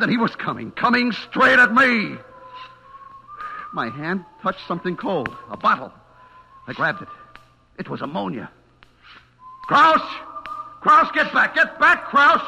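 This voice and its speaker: An extremely high-pitched man, in full character voice, acts out a terrified, guilty fugitive pursued by a vengeful butcher, telling his own story radio-suspense style from the 1940s-50s. Panicked and frantic, he's breathless and dramatic, lurching from hushed dread to frantic cries. The low-quality old-time broadcast carries slight background noise and dramatic music.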